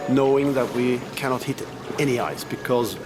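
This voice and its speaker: A Norwegian-accented man in his fifties, an expedition sailor, recalling the voyage reflectively, often pausing on fillers. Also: medium pitch. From Norway. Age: 50s. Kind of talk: documentary interview. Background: music.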